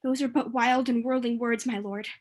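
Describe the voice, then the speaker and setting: A loyal, concerned companion to a prince played by a woman speaks in a high voice. The Shakespearean dialogue comes across earnest and deferential, as in a play reading. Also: steady tone, moderate pace, a little mellow, lightly acted. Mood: earnest, puzzled. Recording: remote livestream audio.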